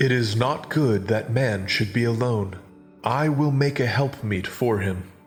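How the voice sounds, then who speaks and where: The speaker uses a put-on character voice. Clear music plays in the background. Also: man, medium pitch for a man, moderate pace. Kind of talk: dramatized scripture reading. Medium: audio drama. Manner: solemn, authoritative.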